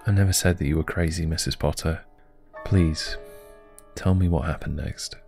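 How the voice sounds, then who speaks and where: A man playing a calm, probing therapist who asks measured, polite questions in an audio drama. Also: extremely low pitch, vocal fry, faint music behind.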